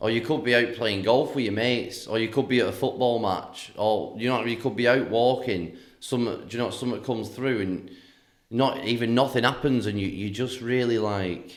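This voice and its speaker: With a northern English accent, a man speaks at a moderate pace and medium pitch with fairly even intonation, and audible room echo. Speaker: spiritual healer. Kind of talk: casual chat. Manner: halting.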